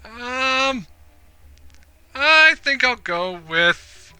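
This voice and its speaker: A male gamer commentating a let's play at a slow, unhurried pace, often pausing with ums as he reads the game text. His voice is very bright and crisp, and the recording is dry, with faint music behind. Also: very high voice, lively intonation, dry recording. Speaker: gaming channel host.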